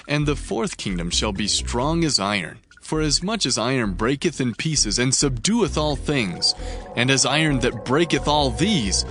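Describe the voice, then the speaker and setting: Casting: fervent, solemn prophet, scripture drama, very animated intonation, reverent and emphatic, music underneath. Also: male voice, medium pitch. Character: solemn, fervent male prophet addressing a king. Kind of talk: dramatized scripture reading, archaic English. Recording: music behind the voice. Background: background music.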